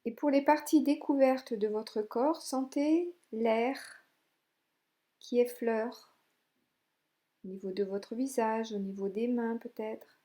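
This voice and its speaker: Female yoga nidra guide: soothing and gentle, very slow delivery, mellow timbre. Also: a little high. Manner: soothing, gentle, unhurried instructions with pauses. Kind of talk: guided relaxation meditation.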